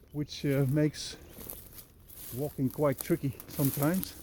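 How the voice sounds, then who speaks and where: Noticeable background noise sits under the audio. A man speaks at a fairly slow pace. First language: Dutch. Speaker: outdoor adventure vlogger. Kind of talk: casual vlog narration. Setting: outdoors. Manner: hesitant, many fillers; lowered voice.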